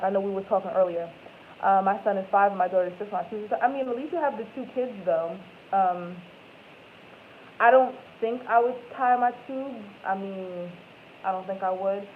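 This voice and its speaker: A woman's voice: medium pitch, moderate pace. Twenty-something woman chatting live to viewers, rambly, lotsa likes and ums, tinny phone-ish sound w/ faint hiss. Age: 20s. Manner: rambling, self-correcting, lots of "like" and "um". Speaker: live stream host. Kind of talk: casual chat with viewers.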